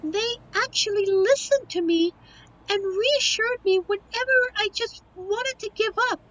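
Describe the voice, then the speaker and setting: A woman's voice: extremely high pitch, measured pace, fairly bright tone, slight background noise. A woman playing a sweet but defiant young succubus daughter in a scripted audio roleplay, earnest and pleading, on a muffled recording. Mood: earnest, tender.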